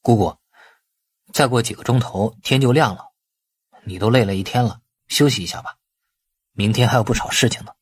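A man's voice: medium pitch, moderate pace, long pauses, husky, close to an everyday voice. A man voicing a wily, irritable, world-weary young man in an audiobook crime novel, talking in a colloquial, grumbling way.

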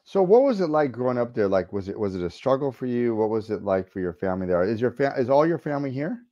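Guy hosting a podcast, mellow voice, dry slightly muffled sound, rambles n restarts questions. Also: mid-range voice, very animated, quick pace, dry recording. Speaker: podcast host. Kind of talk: casual interview.

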